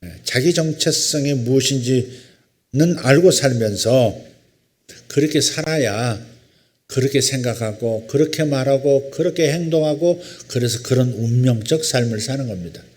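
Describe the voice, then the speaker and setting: A male pastor preaching a sermon, reading scripture slowly and solemnly, then telling a story in a relaxed, conversational way. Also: medium pitch.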